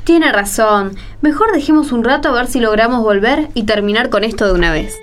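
A woman's voice: on the high side, a little fast, lightly acted. A woman with an Argentine accent playing a frank, caring young granddaughter in a radio play. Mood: mildly impatient. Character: young granddaughter, plain-spoken, caring church catechist.

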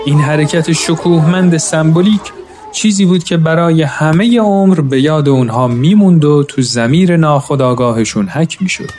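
A man narrating a story in a calm, measured way, now and then addressing his listeners as friends. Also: a little high, a little hiss or hum. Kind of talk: scripted narration.

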